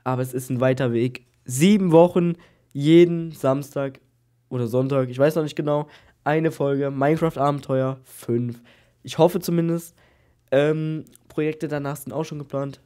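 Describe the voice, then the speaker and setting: Male gaming host, nasal with a cold, excitable and repetitive, pitched a little high. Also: normal speed. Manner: excitable, exclaims and repeats himself. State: has a cold. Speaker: gaming YouTuber. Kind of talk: excited Minecraft let's-play chat.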